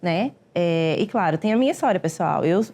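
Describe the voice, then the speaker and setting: A woman, a public defender answering interview questions in a measured, explanatory way with frequent hesitations. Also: lowish voice, expressive, darkish tone. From Brazil.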